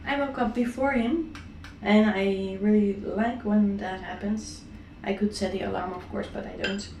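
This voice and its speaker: A woman in her thirties with a Dutch accent, a mom chatting casually through a home vlog, her voice raspy from a sore throat and her talk full of fillers and restarts. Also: mid-range voice, steady tone, moderate pace, a little mellow, echoey room, slight background noise, rough recording. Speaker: vlogger, mom. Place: apartment kitchen.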